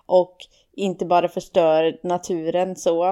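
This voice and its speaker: A woman's voice: fairly low pitch, level tone, dark tone, clean tone. A woman co-hosting a podcast, thinking aloud in a casual reflective discussion, hesitant with many fillers and restarts. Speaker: podcast co-host.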